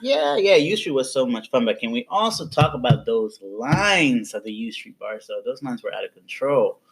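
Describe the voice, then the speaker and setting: A man's voice: medium pitch, big pitch swings, normal speed, vocal fry, husky. A thirty-year-old man co-hosting a casual podcast with friends, upbeat and a little sassy. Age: 30s. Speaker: podcast co-host. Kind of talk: casual chat.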